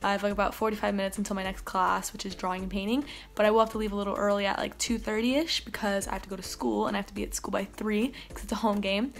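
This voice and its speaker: Chatty teen girl, a little raspy. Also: steady tone, fast talker. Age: teens. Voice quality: slightly raspy, deep from games. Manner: chatty, many fillers like "um" and "like". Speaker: vlogger. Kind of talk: casual vlog chat. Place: bedroom, indoors. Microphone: phone or camera close up, later farther off.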